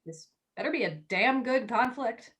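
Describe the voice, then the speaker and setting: An eager young female magazine editor, as an actress plays her in a staged reading. Her voice sits on the high side. She teases and coaxes in natural, stammering bursts of dialogue. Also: moderate pace, fairly bright tone, natural voice. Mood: incredulous, excited.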